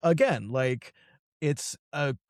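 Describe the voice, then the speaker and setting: A man hosting a podcast, from Connecticut, telling stories in lively, casual conversation with frequent restarts. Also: medium pitch, slow, no room sound, studio quality. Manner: animated storytelling, frequent restarts. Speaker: podcast host.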